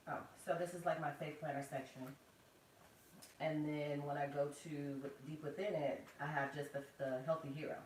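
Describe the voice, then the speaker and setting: Woman, chatty livestream host, soft voice, faint background noise. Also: low-pitched, reverberant, recorded from a distance, poor audio. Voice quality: soft soothing voice. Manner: chatty, laughs often, slow and relaxed. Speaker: planner channel host. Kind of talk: casual livestream chat. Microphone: external mic, later removed.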